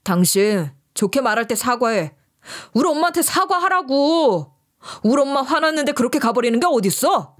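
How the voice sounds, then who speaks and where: A woman's voice: high-pitched, big pitch swings, normal speed, pitched above the performer's own voice. A woman voicing an angry husband who sides with his mother and demands an apology. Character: angry mama's-boy husband.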